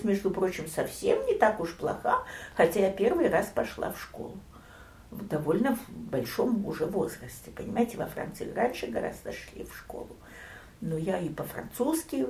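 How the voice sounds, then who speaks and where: An older woman recounting family memories in an interview, storytelling with lively swings and soft near-whispered asides. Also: mid-range voice, reverberant. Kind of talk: oral history reminiscence.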